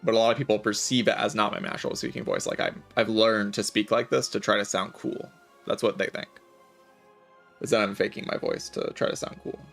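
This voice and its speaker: A man streaming a game, chatting casually in a relaxed, raspy voice with vocal fry, often saying "like". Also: on the low side, a little fast, faint music behind. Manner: relaxed, laid-back, chatty with filler "like". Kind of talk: casual chat while gaming.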